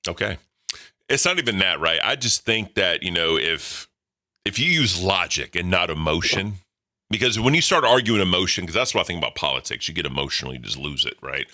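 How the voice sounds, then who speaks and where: A deep-voiced man in his thirties hosting a livestream, talking casually in a blunt, profane, rambling way. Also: big pitch swings, a little fast, sharp tone. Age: 30s. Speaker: livestream host. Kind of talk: casual chat.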